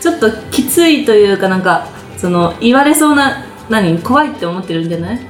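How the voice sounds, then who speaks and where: A woman's voice: mid-range voice, animated, fairly quick, roomy sound, soft background music. A woman co-hosting a casual talk show, chatting and telling stories with frequent laughs. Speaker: podcast co-host. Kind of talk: casual chat.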